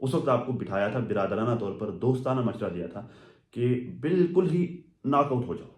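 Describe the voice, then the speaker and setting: A man's voice: fairly low pitch, a little mellow. A man giving casual, rambling commentary on social media gossip, full of fillers and asides. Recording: echoey room.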